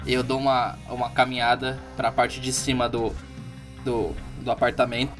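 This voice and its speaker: A man's voice: medium pitch, level tone, normal speed, music in the background. A man playing a tabletop roleplay game, casually describing what his character does. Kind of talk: casual in-game action narration.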